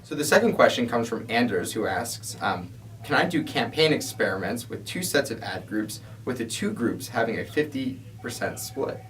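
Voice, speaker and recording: A man's voice: mid-range voice, lively intonation, normal speed, a bit bright, slight background noise. A man co-hosting a question-and-answer show, explaining things in an informal, conversational way. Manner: explanatory, informal, frequent "you know". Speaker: co-host and ad support specialist. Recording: distant mic pickup.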